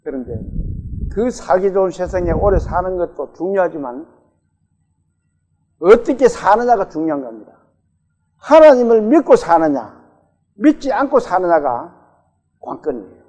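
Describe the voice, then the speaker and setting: A man's voice: sits high, big pitch swings, moderate pace, long pauses, a little mellow. A male pastor preaching a sermon in a church, talking with the congregation and putting questions to them. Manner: conversational, asks the congregation questions. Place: church sanctuary. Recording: dull, reverberant church recording.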